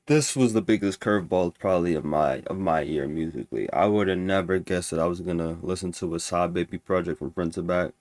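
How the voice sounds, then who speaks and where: A man's voice: low voice, fairly quick, few pauses, darkish tone, no room sound. A man with a stuffy nose ranking music albums in casual, rambling talk full of restarts and fillers. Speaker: music reviewer.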